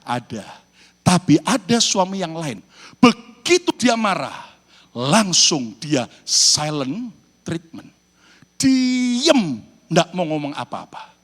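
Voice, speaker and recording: A man from Indonesia preaching a sermon as pastor, animated and calling out to his congregation. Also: fairly high pitch, slow. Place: church hall in New York. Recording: reverberant church hall.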